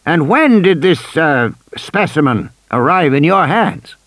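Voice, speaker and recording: A male narrator putting on a pushy old tycoon, all cheer and persistence. The voice rides noticeably higher and livelier than the reading voice, with a dry, close sound. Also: very animated, unhurried, a bit bright, dry recording, exaggerated voice. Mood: wary. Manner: insistent, persuasive, coaxing.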